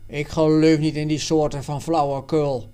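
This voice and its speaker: A man reading aloud and voicing Stoefzaand, an adult man who is a skeptical, quick-tempered friend with a blunt manner. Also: on the high side, little pitch movement, dark tone, smooth, natural voice.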